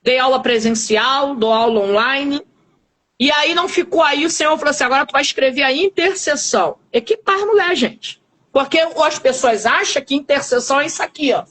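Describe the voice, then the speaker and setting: Fervent high-voiced woman giving testimony. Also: moderate pace, a bit bright. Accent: Brazilian Portuguese. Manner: fervent, emphatic, repeats key words. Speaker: testifying minister. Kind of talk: church testimony.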